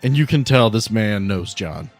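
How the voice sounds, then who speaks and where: A man's voice: on the low side, lively intonation, normal speed, faint music behind. A man narrating an improvised tabletop game as game master in a conversational, informal way.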